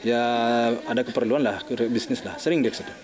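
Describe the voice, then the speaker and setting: An older man, a bereaved father, recounting events in an interview in a halting, shaken way, often restarting his sentences. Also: medium pitch, a crowd in the background. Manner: halting, restarting, acting out phone calls.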